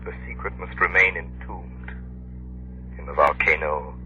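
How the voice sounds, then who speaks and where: A man playing a calm, commanding hero in a 1930s radio drama, speaking in a cool, mocking tone. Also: a bass voice, a little slow. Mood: hushed. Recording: dull lo-fi 1930s radio recording with hiss.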